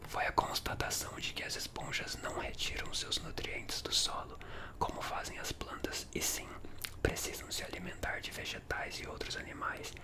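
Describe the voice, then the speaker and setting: An ASMR creator with a Brazilian accent reads a magazine science article in a soft, unvoiced whisper. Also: moderate pace.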